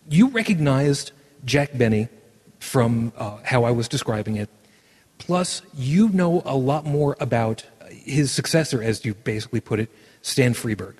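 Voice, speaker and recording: In an echoey, washed-out recording, a podcast host rambles through a casual chat broadcast in a virtual world, restarting often. He has a husky, mid-range voice with a darkish tone.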